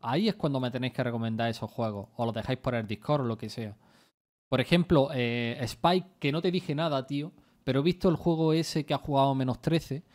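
A man from Spain with a Spain Spanish accent, chatting casually with viewers while he plays, rambling, swearing freely and breaking into excited outbursts. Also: mid-range voice, fairly quick. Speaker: gaming streamer. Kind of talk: casual gameplay chat with viewers.

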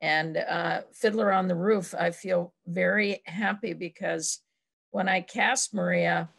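Older woman, gravelly, lowish voice, effusive host, video call from home. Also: steady tone, slow, fairly bright tone. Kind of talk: casual interview over video call. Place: home room with bookshelves.

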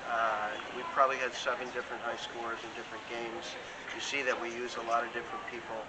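A man's voice: medium pitch, completely flat delivery, quick pace. An older man, a basketball coach, talking about his team after a game with a teasing, joking manner. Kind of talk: postgame interview. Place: school gym. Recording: loud gym noise, somewhat far from the mic.

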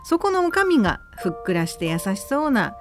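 A woman's voice: a little high, sing-song, brisk, faint music behind. A woman radio presenter reading out a listener's letter in a conversational way. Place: radio studio.

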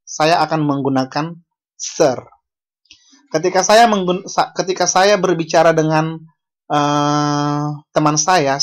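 A university lecturer from Bali gives an online language lecture over a video call. They ask the class questions and correct themselves as they go. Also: mid-range voice. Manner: unhurried, asks the class questions, self-correcting.

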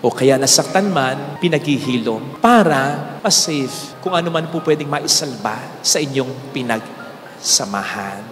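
A man in his thirties, a Catholic priest with a Filipino accent, giving an animated homily through a handheld mic and mixing Tagalog with English. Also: mid-range voice. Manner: animated preaching, switching between Tagalog and English. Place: large church sanctuary, indoors. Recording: hall reverb with faint music.

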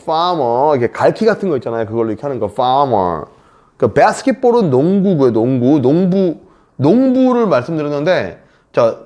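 Lively male English teacher. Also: a little high. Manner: lively, repeats words with gestures; slow, drawn-out English model phrases. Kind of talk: beginner English lesson for seniors.

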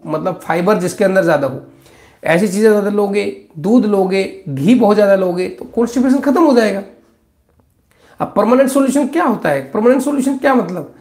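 A man in his thirties, speaking as a doctor answering viewer questions in a live stream. His voice sits high and his advice comes out blunt and scolding, and he calls his listeners brother and son. It's recorded on a phone close up in a small, echoey office. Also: a little mellow. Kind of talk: live Q&A consultation.

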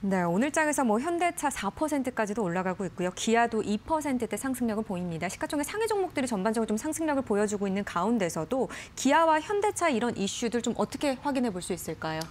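A young woman anchoring a TV finance news show, crisp and lively in a studio. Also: on the high side, fast talker, few pauses, slight background noise.

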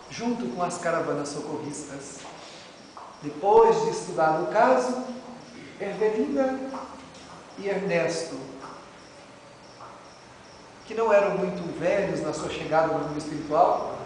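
Brazilian guy preaching kinda dramatic, far from the mic in a big reverby room. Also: high-pitched. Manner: dramatic, emphatic, rhetorical. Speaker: lecturer at a Spiritist center. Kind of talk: religious lecture. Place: indoor lecture room with a chalkboard. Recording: very echoey, noisy hall, distant mic.

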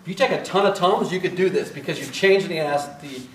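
Middle-aged guy teaching in a mask, kinda high voice, roomy echo, camera way back, laid-back and jokey w/ the class. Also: fast, a little hiss or hum. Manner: casual, self-deprecating, asks students questions. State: speaking through a face mask. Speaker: respiratory therapy instructor. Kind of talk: classroom whiteboard lecture. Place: large classroom with whiteboard. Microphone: far camera. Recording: echoey room from far off.

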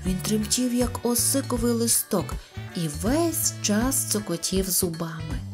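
A woman tells a children's fairy tale in an expressive audiobook reading. Her voice sits in an ordinary middle range, with faint music playing behind her. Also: mid-range voice, a little slow. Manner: expressive, lively storytelling. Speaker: storyteller.

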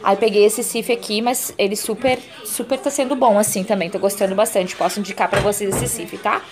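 A woman's voice: medium pitch, steady tone, brisk, over music. A woman, chatting casually to her phone camera while cooking and cleaning in her home kitchen, full of tag questions and fond diminutives. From southern Brazil. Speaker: home vlogger. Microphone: handheld phone camera.

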